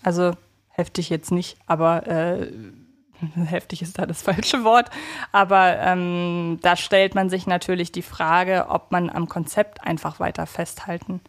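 A woman's voice: fairly low pitch, fairly even intonation, measured pace. Reflective woman co-hosting a podcast. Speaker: podcast co-host. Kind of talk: conversational podcast discussion.

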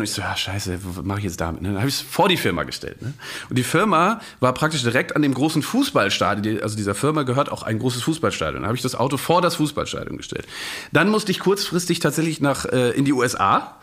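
Male podcast co-host, rapid chatty storyteller, tag questions throughout. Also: fairly high pitch, expressive, a bit bright. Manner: rambling anecdote, frequent "ne?" tags. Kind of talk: casual chat, storytelling.

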